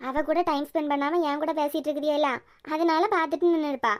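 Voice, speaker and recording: A chatty young cartoon wife with a very high, quick voice, played by a performer. She teases and wheedles without letup, and her words tumble out fast. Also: flat delivery, lightly acted. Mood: pleading. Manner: teasing, wheedling, talkative. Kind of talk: cartoon voice acting.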